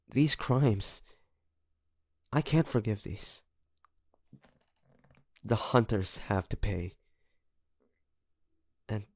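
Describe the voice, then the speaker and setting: A man playing an earnest young demon hunter in a romantic audio drama, speaking very slowly with a gravelly fry. He is soft-spoken and hesitant, tender toward the one he loves. The sound is dry and close. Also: on the low side, no room sound, heavily acted. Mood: resolute, sincere.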